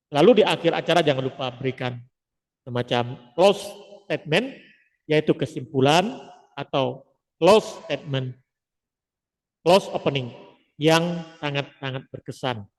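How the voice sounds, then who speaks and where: A man gives a lecture on public speaking with lively, emphatic stresses and frequent short asides to his listeners. His voice sits somewhat high for a man. The sound carries a long reverb, as if it were recorded in a hall.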